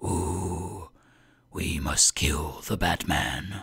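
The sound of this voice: A man puts on a gravelly, growling character voice, whispering throughout.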